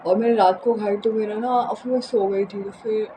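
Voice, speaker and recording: Young woman w a hoarse sore throat just yapping to her vlog at home, drops english words in, pretty noisy audio. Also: mid-range voice, steady tone, moderate pace. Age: young adult. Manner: unscripted, mixes English words into Hindi. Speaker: vlogger. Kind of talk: casual rambling vlog chat. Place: indoors in a room at home.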